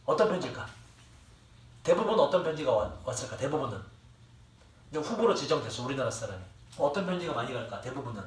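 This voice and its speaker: A man's voice: fairly high pitch, a bit bright. A young man teaching a class, who rambles, jokes with his students and swears freely. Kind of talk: classroom lecture. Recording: echoey room, distant mic, faint ambience.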